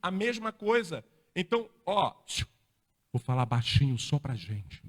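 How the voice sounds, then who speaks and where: Brazilian pastor, male, high-pitched emphatic preacher, church hall with long reverb. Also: big pitch swings, a little slow. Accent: Brazilian Portuguese. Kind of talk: sermon.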